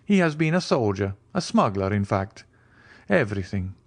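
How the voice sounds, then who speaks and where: A man's voice: fairly low pitch, sing-song, normal speed. A man voicing a mysterious, self-assured aristocratic count in an audiobook, speaking formally, precisely and with lofty composure. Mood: composed. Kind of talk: audiobook character dialogue.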